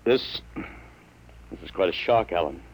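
An actor playing a bewildered, worried father in a 1950s radio drama, halting and incredulous, with emphatic delivery. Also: low voice, creaky, a little hiss or hum, exaggerated voice, rough recording. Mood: shaken, halting. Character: bewildered, stern but worried father of a teenage boy.

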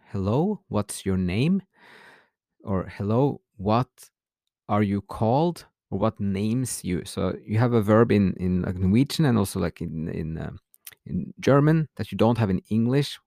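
A man hosting a podcast, giving a relaxed, unscripted language lesson, reading example phrases slowly and translating them. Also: lowish voice, vocal fry, no echo, studio quality. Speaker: podcast host, language teacher. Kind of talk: casual spoken language lesson.

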